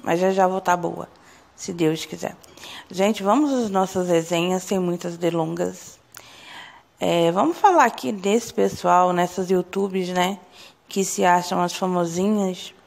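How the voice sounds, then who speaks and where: A young Brazilian woman vlogs at close range into a phone in a small room, her voice hoarse and full of gravelly fry. She gossips with indignation and talks straight to her viewers. Her pitch sits in the middle for a woman. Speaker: YouTube gossip vlogger. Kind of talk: casual opinion vlog to camera. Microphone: phone or webcam close to face.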